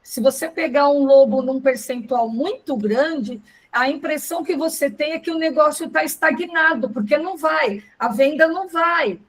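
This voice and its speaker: A woman's voice: high voice, moderate pace, few pauses, rough recording. A woman co-hosting a casual live sales class, talking to her audience and asking them questions. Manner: engaging, asks the audience questions. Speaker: co-host, sales trainer.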